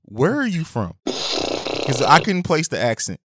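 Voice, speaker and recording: A man's voice: medium pitch, huge pitch swings, measured pace, background noise. A man hosting a podcast, chatting casually, hesitant and often correcting himself, laughing easily. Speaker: podcast host. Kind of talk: casual conversation.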